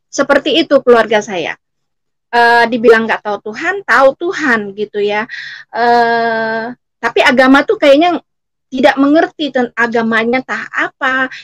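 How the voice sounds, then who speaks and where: Woman late 40s, kinda high voice, no room echo, tells her story haltingly, repeats words. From Selat Panjang, Riau, Indonesia. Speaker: guest giving testimony. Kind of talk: personal testimony. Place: indoor room, seated, on a video call.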